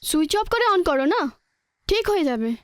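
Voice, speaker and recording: High-voiced young daughter. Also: female voice, big pitch swings, normal speed, dry recording, clean studio sound. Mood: cheerful, persuasive. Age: young adult. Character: eager, affectionate student daughter pleading with father. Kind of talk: film family drama dialogue.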